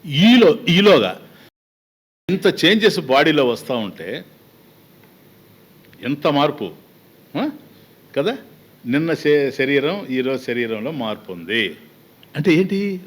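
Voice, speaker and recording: A man's voice: fairly high pitch, slow, pauses often. Man, Telugu accent, swami, spiritual discourse, chatty, rhetorical questions, middle-aged. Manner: lively, conversational, rhetorical questions, acts out quoted exchanges. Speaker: swami giving a Vedanta discourse.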